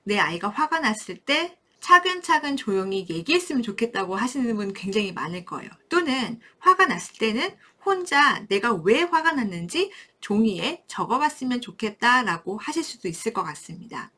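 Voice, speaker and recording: A woman giving a parenting lecture to camera, explaining things warmly and acting out short quotes from parents and children. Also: on the high side, sing-song, moderate pace, few pauses. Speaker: parenting educator. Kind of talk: talking-head parenting lecture.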